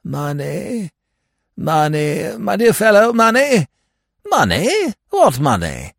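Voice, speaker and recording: A man acts out an elderly English lord from a comic storybook, benevolent and woolly-minded. The voice rides high and wavers up and down with a little creak. He dithers and repeats himself, in a close, dry recording. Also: big pitch swings, measured pace, no echo, exaggerated voice. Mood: absent, bewildered. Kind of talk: comic novel audiobook character voice.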